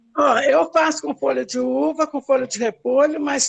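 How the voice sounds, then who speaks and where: Moderate pace and ordinary pitch variation, in a dry, close sound with no echo. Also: woman. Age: 80s+. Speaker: retired seamstress, workshop participant. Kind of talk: casual testimony in online workshop.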